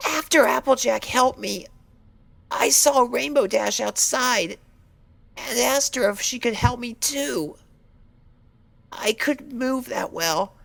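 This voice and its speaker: Lady doing a shy hurt cartoon pony girl for a story reading, pleading and hesitant, slow n creaky, really close dry sound. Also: on the high side, a bit bright, dry recording, exaggerated voice. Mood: wistful. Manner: hesitant, halting, meek. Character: timid, injured young female pegasus pony, anxious and pleading. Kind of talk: dramatized fan fiction reading.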